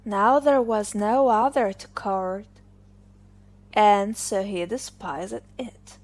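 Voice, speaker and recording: A woman narrating a fairy tale for English learners, deliberately and phrase by phrase. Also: medium pitch. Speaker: storyteller.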